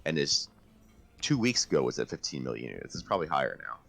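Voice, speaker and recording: A man with an exceptionally deep voice chats casually as a podcast co-host. His delivery is gravelly and emphatic, with real enthusiasm for games. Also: big pitch swings, fast talker, fairly bright tone. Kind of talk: casual video game discussion.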